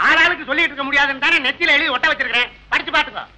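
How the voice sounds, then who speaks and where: A man trading quick jokes in old film comedy dialogue, sometimes breaking into mock chants. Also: very high-pitched, sharp tone, poor audio. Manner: fast joking banter, mock chanting. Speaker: comic lover posing as fortune teller.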